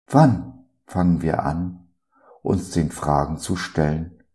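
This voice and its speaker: Deep, slow-spoken devotional podcast man. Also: warm tone. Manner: earnest, preacherly, full of rhetorical questions. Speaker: podcast host.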